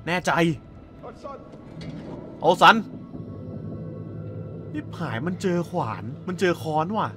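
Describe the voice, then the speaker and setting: Male let's-play host, excitable and jokey, high animated voice, faint game music behind. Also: takes it slowly. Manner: excitable, exclaiming, joking. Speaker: gaming host. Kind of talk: casual let's-play commentary.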